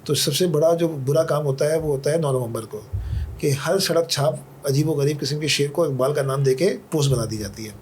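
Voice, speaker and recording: A man's voice: fairly high pitch, normal speed, a little mellow, slight background noise. A man from Karachi, a podcast guest, talking in a thoughtful, conversational way, telling anecdotes and quoting poetry. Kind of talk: reflective conversational Urdu talk.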